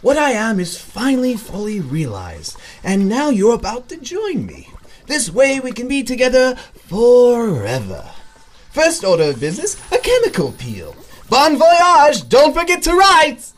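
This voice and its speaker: An actor playing a sadistic, gleeful clown supervillain in an audio drama, with a theatrical, mocking, drawn-out delivery. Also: male voice, very high-pitched, wildly swooping pitch, full character voice. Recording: music under the voice.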